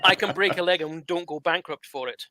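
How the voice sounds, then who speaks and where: A man's voice: fairly high pitch, fairly quick, bright, forceful tone. A man from Scotland co-hosting a casual podcast chat, teasing with dry humor. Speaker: podcast co-host.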